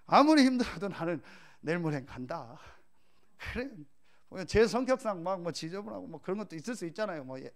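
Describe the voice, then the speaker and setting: A male pastor delivering a sermon, telling stories and rising to loud, emphatic rhetorical questions. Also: high voice.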